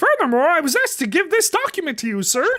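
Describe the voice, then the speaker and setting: A loud, squeaky, put-on character voice at an extremely high pitch races along at a very fast pace with very wide pitch swings. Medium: game stream. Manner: loud, stiff, repeats 'sir'; nervous, stumbling.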